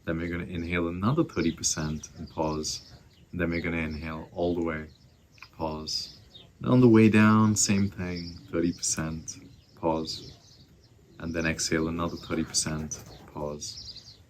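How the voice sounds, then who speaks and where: Very low-voiced man guiding slow breathing. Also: a little hiss or hum. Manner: slow, soft, calm cueing with long pauses. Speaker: breathwork instructor. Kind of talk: guided breathing class.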